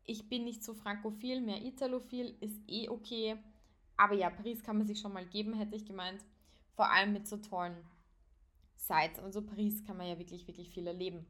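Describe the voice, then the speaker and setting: A woman's voice: medium pitch, flat delivery, fairly quick, a bit bright. A young adult woman with an Austrian accent hosting a solo podcast in casual, unscripted chat, sprinkling in English phrases. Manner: informal, sprinkles English phrases into her talk. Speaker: podcast host.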